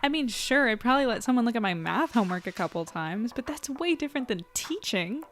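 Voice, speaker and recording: A woman's voice: on the high side, expressive, fast talker, fairly bright tone. A woman playing a friendly, self-doubting small-town newspaper editor in an audio drama, with a casual, hesitant delivery. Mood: hesitant, worried. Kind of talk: naturalistic audio drama acting.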